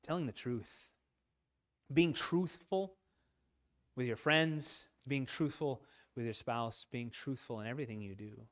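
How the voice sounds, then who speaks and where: A man's voice: mid-range voice, measured pace. A man giving an earnest, emotional sermon to other men in a church, his voice catching as he speaks. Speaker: lay preacher at a men's church talk. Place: church sanctuary.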